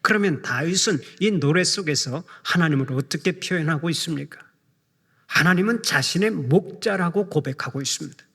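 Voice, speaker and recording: A man's voice: fairly high pitch, vocal fry, fairly bright tone, husky. Male pastor preaching in a reverberant church. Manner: measured preaching, slows to recite scripture. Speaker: senior pastor. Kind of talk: sermon. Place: church sanctuary. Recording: long reverb of a big church hall.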